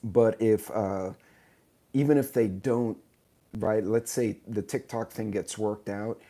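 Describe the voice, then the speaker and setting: A man, hoarse from his sinuses, hosting a casual live stream, rambling and joking at himself while greeting viewers by name. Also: lowish voice, fairly even intonation, takes it slowly, dark tone. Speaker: channel host. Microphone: tablet mic in vertical live stream.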